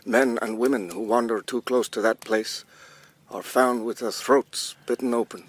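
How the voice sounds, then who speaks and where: An actor playing a solemn tribal leader who addresses his people in a grave, measured storytelling manner in an audio drama. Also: mid-range voice, fairly even intonation, lightly acted. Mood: solemn, warning.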